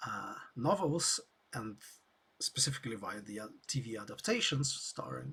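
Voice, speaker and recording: A man speaks in a Russian accent at a moderate pace. He leaves long, frequent pauses. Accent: non-native English, Russian. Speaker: YouTuber, crossword enthusiast. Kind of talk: casual monologue. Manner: hesitant, many fillers.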